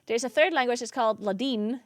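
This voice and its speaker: A woman's voice: on the high side, a little fast, dry recording, studio quality. Chatty woman streamer. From South Tyrol, Italy. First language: German. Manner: chatty, answers chat, frequent "like" fillers. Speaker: game streamer. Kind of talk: casual chat while gaming.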